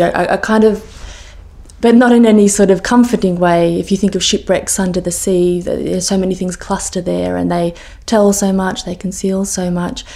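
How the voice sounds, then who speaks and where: A woman speaks with an Australian accent in a dark, mellow tone. Her intonation stays monotone and flat. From Australia, Sydney. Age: young. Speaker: poet. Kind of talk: interview. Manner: halting.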